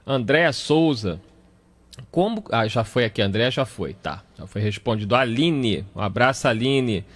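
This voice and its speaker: Brazilian radio host greeting listeners. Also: male voice, medium pitch, animated, moderate pace. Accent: Brazilian Portuguese. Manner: warm greetings to listeners, reads messages aloud. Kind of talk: radio talk, reading listener messages.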